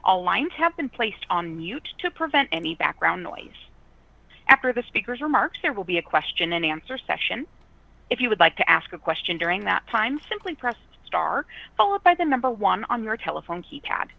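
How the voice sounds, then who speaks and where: A woman's voice: medium pitch, big pitch swings, moderate pace, gravelly, no echo. A woman working as a conference call operator, reading a scripted announcement over a telephone line.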